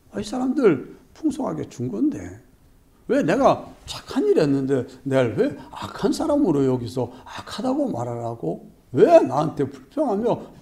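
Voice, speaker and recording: A firm landowner patiently arguing his case, voiced by a pastor in his sermon. The voice is mellow and gravelly, with lively rises and falls. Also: sits high, full character voice. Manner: reasoning, patiently arguing back. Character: calm firm landowner defending his fairness.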